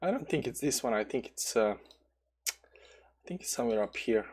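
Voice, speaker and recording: A Balkan-accented man streams crypto charts and talks through them casually and live, rambling with lots of fillers and restarts and reading the chat aloud before answering. His mid-range voice has lively intonation, a normal speed, a slightly mellow tone, and a breathy edge.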